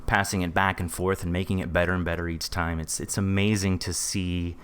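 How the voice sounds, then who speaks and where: A man's voice: low-pitched, flat delivery, brisk, a bit bright, clean tone. A man from a podcast team chatting casually in a group interview, rephrasing as he goes.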